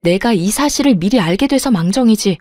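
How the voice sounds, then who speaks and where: An angry young bride-to-be, voiced by a woman narrator speaks sharply and with heat. Her timbre is mellow and warm. The recording is dry and close. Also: mid-range voice, animated, brisk, no room sound, faint music behind, natural voice. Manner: sharp, heated.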